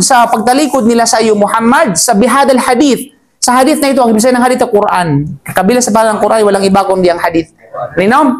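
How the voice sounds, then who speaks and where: A woman giving a Quran commentary lesson to a live group, lively and chatty, who chants verses quickly and jokes with her listeners. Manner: lively, chatty teaching voice that swings up high for emphasis; chants Arabic verses quickly between explanations. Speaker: Islamic teacher.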